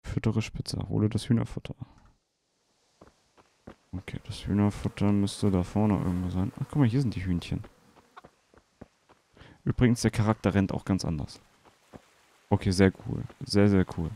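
A man's voice: on the low side, moderate pace, creaky, pauses often, mellow. A man hosting a let's play, chatting and joking about game details as he plays. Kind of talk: casual gameplay commentary.

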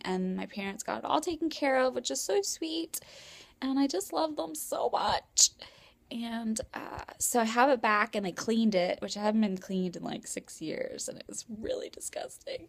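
A young woman talking excitedly and quickly to a handheld camera from her bedroom in a casual vlog. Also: mid-range voice. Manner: fast, excited, shaky chatter. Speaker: vlogger.

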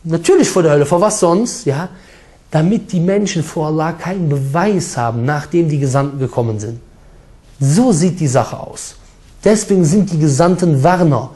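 German guy preaching hard, warm low-ish voice, lots of emphasis. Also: normal speed. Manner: forceful, emphatic preaching with Arabic recitation and mocking impressions. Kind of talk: sermon.

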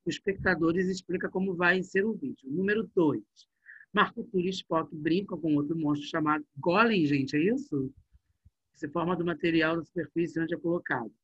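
A middle-aged male teacher, leading an online class in a lively, chatty way and talking straight to his students. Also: on the high side, normal speed, husky, dry recording. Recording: dull, muffled online class audio.

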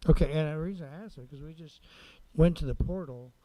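A male city council member questioning at a public meeting, halting and often rephrasing mid-sentence. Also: fairly high pitch, dark tone, no room sound, poor audio.

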